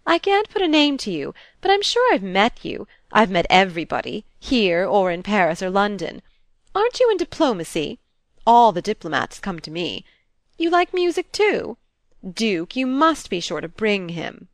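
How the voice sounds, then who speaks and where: A woman's voice: mid-range voice, sing-song, normal speed, no room sound. A woman voicing a flamboyant older society hostess with a round, rolling voice and a brash, effusive manner. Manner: effusive, brash, hail-fellow. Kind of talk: audiobook character voice.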